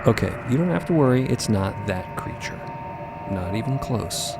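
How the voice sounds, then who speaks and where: A man's voice: medium pitch, expressive, moderate pace, gravelly. A man delivering dramatic scripted narration for a fiction podcast. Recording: loud music behind voice. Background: loud atmospheric music.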